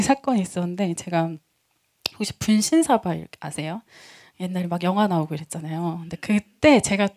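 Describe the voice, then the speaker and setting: A woman pastor in her thirties preaching a testimony sermon, telling stories in a lively way, acting out the voices of friends and laughing often. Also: medium pitch.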